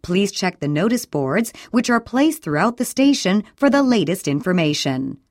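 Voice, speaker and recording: A woman reading a scripted train station announcement in a measured, formal way with careful enunciation. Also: medium pitch, sing-song, darkish tone, dry recording, clean studio sound. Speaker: recorded station announcer for listening practice.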